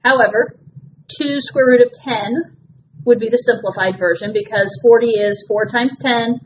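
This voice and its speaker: A woman teaching a math class, talking patiently through each step and reassuring students it is not magic. Her voice sits a little high. The recording is dull and lo-fi, with a faint hiss behind her. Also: steady tone, a little slow. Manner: patient, reassuring, walks through steps aloud. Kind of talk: classroom lesson.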